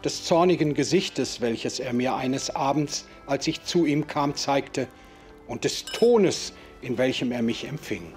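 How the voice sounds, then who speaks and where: A man giving measured, reflective first-person narration in a German radio play. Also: mid-range voice, animated, darkish tone, faint music behind.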